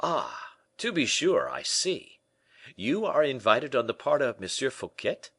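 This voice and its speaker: A man voicing a shrewd, calm middle-aged friend in an audiobook, speaking in a wry, reassuring, measured way. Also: medium pitch, vocal fry, breathy edge, voice pushed up, heavily acted. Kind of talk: audiobook character voice.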